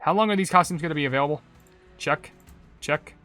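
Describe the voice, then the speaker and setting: A man's voice: a little high, brisk. A man hosting a gaming video, giving casual, informal reaction commentary and reading comments. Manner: chatty, informal. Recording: dry close mic, game music behind. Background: soft game music.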